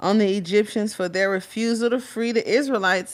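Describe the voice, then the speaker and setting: Woman with an American accent, medium pitch and fairly even intonation at a moderate pace, in a very clean recording over a silent background. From Texas. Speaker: tarot reader. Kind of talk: tarot reading livestream. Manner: casual, conversational with profanity.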